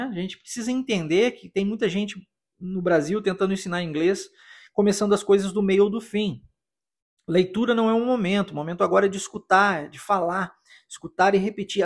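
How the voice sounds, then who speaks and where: A Brazilian man with a Brazilian Portuguese accent hosting a podcast English lesson, explaining slowly and patiently and repeating phrases for the listener. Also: high voice, husky. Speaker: English teacher and podcast host.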